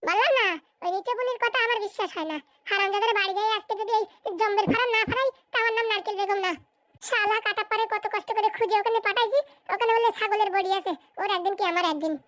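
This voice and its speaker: A woman's voice: extremely high pitch, fast talker, fairly bright tone, no room sound. A woman voicing a bossy, foul-tempered, scheming village woman in a comic cartoon, scolding and threatening in a rural Bengali dialect. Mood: furious, threatening.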